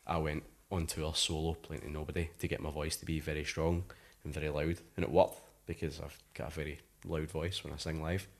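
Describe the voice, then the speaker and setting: A man's voice: extremely low pitch, flat delivery, brisk, hardly any pauses. A Scottish man in his thirties, a musician guest talking casually in an interview, rambling with lots of "like" fillers. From Scotland.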